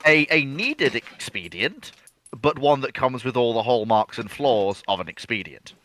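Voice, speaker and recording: A man's voice: mid-range voice, expressive, a little slow, fairly bright tone, no room sound. A man speaking as a panelist in a casual history discussion, emphatic and precise in wording, repeating key phrases.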